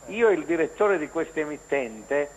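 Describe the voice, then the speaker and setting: A man's voice: on the high side, animated, normal speed. A male journalist heard over the phone, giving casual sports commentary in a rambling way with many restarts and fillers. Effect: heard over a phone line. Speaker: journalist phoning in to a TV sports show. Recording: echoey hissing phone line.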